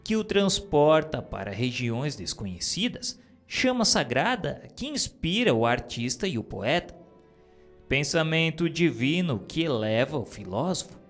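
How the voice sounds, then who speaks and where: Male reader, solemn and declamatory, very slow, with a lively rising and falling pitch, over soft music. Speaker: reader of spiritist texts. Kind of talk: slow solemn reading of dictated messages. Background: soft background music.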